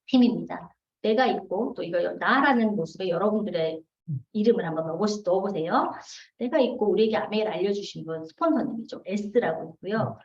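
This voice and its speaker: A woman's voice: mid-range voice, a little fast, far from the mic. Woman, forties, seminar lecture, questions and answers to the audience, dull lo-fi sound, roomy hall. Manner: asks the audience questions and answers them herself. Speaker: business seminar speaker.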